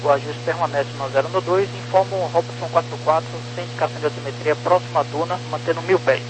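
A man's voice: fairly high pitch, fairly even intonation, fast. A Brazilian man working as an air traffic controller, giving clipped procedural instructions over crackly, military-sounding radio. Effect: aviation radio transmission. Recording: crackly radio with loud hum and static.

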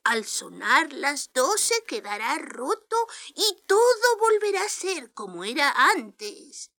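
A woman voicing a sweet old lady, a kindly fairy godmother on a children's storybook record, with a slow, doting singsong manner. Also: sits high, very animated, bright, forceful tone, pitched above the performer's own voice, exaggerated voice. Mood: kindly advising.

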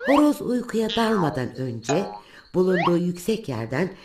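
A woman's voice: fairly low pitch, sing-song, moderate pace, noisy background. A woman narrating a scripted fairy tale for children as the storyteller. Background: prominent music.

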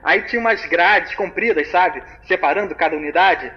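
Over a muffled phone line with a faint hiss, a man's high-sitting, natural voice at normal speed chats his way through a spooky tale in slang. He is an actor portraying a young man telling the story casually.

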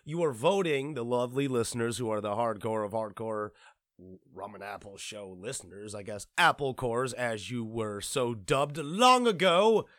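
A man hosting a podcast, talking in a casual, rambling and excitable way, tripping over his words and swearing now and then. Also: medium pitch, normal speed, no echo, studio quality. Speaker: podcast host and producer.

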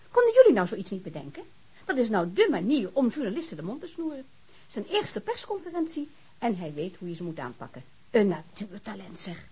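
A candid confidante in a radio play. Her voice is husky and swings widely in pitch. She speaks in an animated, teasing way. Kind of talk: Dutch radio drama acting.

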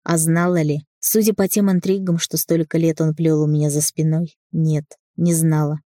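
Woman audiobook narrator, first-person story, low voice, dry close recording. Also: level tone, normal speed, warm tone, no echo.

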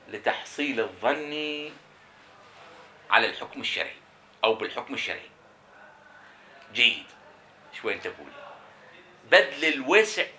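A man's voice: medium pitch, bright, forceful tone, slight background noise. A man teaching a seminary lecture on jurisprudence, explaining emphatically and answering his own questions. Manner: repeats key terms slowly for emphasis.

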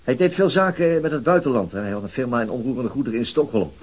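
A man's voice: mid-range voice, expressive, fast, slightly rough. An actor playing an easygoing, dryly amused male detective in a naturalistic radio drama, with an informal, hesitant way of asking questions. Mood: probing, casual.

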